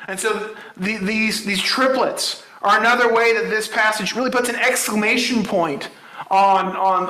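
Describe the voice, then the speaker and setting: A man's voice: sits high, bright, forceful tone, echoey room, low-quality recording. A man preaching a sermon, explaining a Bible passage in a conversational teaching manner and checking in with the congregation. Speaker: pastor.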